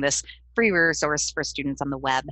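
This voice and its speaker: A woman at a fairly quick pace with ordinary pitch variation, the sound dry with no echo against a quiet background. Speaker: software trainer. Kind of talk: tutorial. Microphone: video call.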